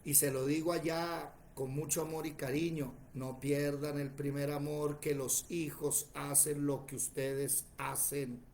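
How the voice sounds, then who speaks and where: Preacher, male, forties, voice sits a bit high, animated storyteller who acts out the people in his stories. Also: a little slow, few pauses, a little hiss or hum. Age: 40s. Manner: animated, tells stories acting out other voices. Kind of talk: sermon with personal stories. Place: church.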